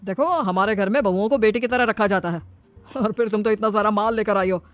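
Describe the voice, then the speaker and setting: A woman's voice: medium pitch, fairly quick, no room sound, soft background music, lightly acted. A woman voicing a greedy, fussy older father-in-law in a cartoon, speaking in a scolding way.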